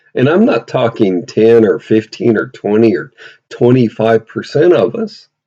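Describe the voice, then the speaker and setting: Speaking at a fairly slow pace, a man with a medium pitch talks with a Texan accent. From Texas. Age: 60s. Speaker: fasting vlogger. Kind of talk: vlog monologue.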